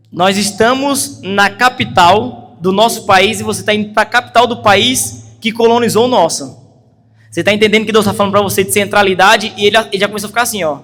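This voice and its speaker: A man's voice: high-pitched, a bit bright. A man with a Brazilian Portuguese accent preaching a sermon, telling a story earnestly and building to urgent emphasis. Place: church hall. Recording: long hall reverb with faint music.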